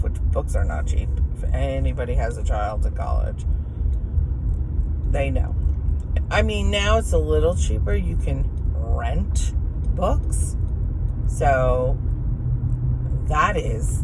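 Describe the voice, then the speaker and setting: A middle-aged woman with a hoarse voice, chatting frankly and rambling while she drives, easily irritated by other drivers. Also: sits low. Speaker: vlogger. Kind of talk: casual chat while driving. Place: in a car while driving. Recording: car road noise behind.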